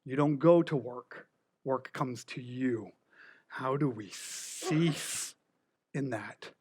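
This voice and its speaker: A middle-aged man with a slight lisp, preaching a sermon as pastor, animated and joking, swinging from loud to whispered. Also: medium pitch, slow, slightly rough. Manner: joking, self-deprecating.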